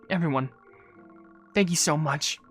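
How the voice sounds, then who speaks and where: A woman's voice: sits low, takes it slowly, slightly rough, soft background music, heavily acted. A woman voicing a guilty, self-blaming young female oracle in a game cutscene, speaking in a subdued, earnest way. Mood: apologetic, resolved. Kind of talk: video game cutscene voice acting.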